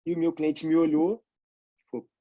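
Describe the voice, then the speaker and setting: A man's voice: a little high, flat delivery, moderate pace, no room sound, phone-quality sound. A man with a Brazilian Portuguese accent, a lawyer and law lecturer, telling a courtroom anecdote with rhetorical questions. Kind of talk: storytelling lecture.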